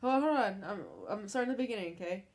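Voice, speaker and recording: Excitable woman podcast co-host. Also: mid-range voice, racing. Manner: excitable, repeats herself, bursts of laughter. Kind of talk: casual chat.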